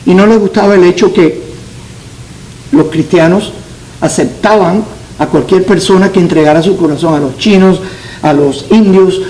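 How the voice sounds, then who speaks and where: A Cuban-born man teaching a Bible class as pastor, his voice mellow and a little high for a man. He talks in earnest and repeats key lines for weight. A faint hiss sits under the recording. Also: low-quality recording. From Cuba. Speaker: pastor teaching Sunday school.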